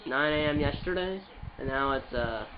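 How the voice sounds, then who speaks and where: A man's voice: a little high, normal speed. Stuffed-up man calling game plays. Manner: rambling, with restarts and play-by-play calls. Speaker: gaming channel host. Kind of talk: casual game commentary. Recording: muffled with background noise.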